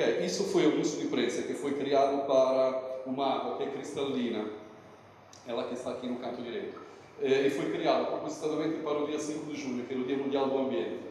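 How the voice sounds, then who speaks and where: With an Italian accent, a man speaks at a fairly quick pace amid strong room echo and light background noise. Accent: Italian-accented European Portuguese. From Italy. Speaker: advertising creative director. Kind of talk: conference talk. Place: stage.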